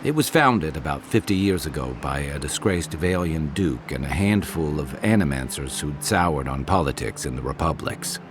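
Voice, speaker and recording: An actor playing an easygoing, wry adventurer companion in a video game, teasing and reflective. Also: male voice, extremely low pitch, animated, normal speed, few pauses, noisy background. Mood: thoughtful, wry. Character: easygoing wry male adventurer companion, weathered but good-humoured. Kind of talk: naturalistic video game dialogue.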